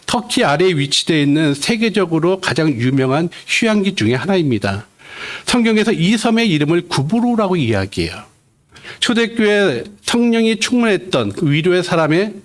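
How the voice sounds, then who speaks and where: Middle-aged guy preaching, pretty high voice that swings up and down a lot, keeps asking the crowd questions. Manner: explains words step by step, asks the congregation questions. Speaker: guest pastor. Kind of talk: sermon.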